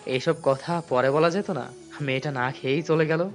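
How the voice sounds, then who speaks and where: A man's voice: on the high side, steady tone, normal speed, faint music behind, lightly acted. A man voicing a patient young husband in an audio drama, earnest and pleading. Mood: soothing.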